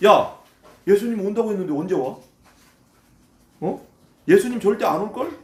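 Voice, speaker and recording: A man's voice: sits high, lively intonation, moderate pace, a little mellow. A man voicing a sarcastic scoffer who taunts believers with mocking questions. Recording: echoey church hall.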